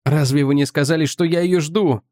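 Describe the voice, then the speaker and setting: A man's voice: fairly high pitch, fairly even intonation, fairly quick, a little mellow, no echo, clean studio sound, lightly acted. Field: audiobook. Figure: impatient young man voiced by a man. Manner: urgent, insistent. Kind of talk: audiobook character voice.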